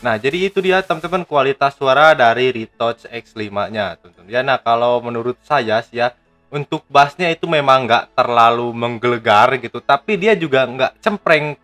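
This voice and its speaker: A man gives a casual hands-on gadget review. His voice sits at an ordinary male pitch, and he talks to viewers like friends, with music behind him. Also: lively intonation, moderate pace, fairly bright tone. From Indonesia. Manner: chatty, addresses viewers as friends.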